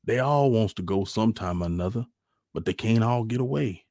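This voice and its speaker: A man playing a gentle, wistful country father with a rural Southern accent and a folksy, plainspoken manner in a storybook reading. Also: lowish voice, animated, fairly quick, no room sound, studio quality, pitched above the performer's own voice. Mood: firm, wistful.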